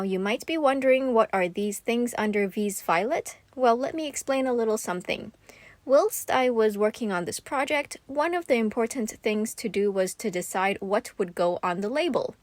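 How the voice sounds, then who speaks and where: A woman's voice: fairly high pitch, no room sound. A woman from Thailand, narrating a voiceover for her art channel in a chatty, upbeat way, with a bit of self-deprecating humor. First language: Thai. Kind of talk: voiceover narration of a craft video.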